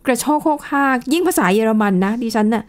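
Woman host, lively chat, higher voice, brisk. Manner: lively, frequent backchannel, addresses listeners. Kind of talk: casual radio chat.

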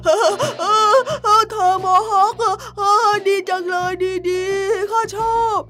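A woman's voice: very high voice, fairly even intonation, takes it slowly. A woman voicing an eager plump rapper buddy. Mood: delighted. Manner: eager, sing-song rapping. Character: plump cheerful male buddy dreaming of rapping. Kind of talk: children's radio drama. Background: background music.

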